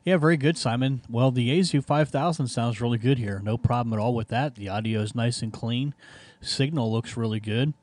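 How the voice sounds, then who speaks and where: Male amateur radio operator, casual and halting conversational delivery, very dry recording. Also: mid-range voice, a little mellow, no echo. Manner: halting, searching for words. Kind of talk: casual ham radio contact chat.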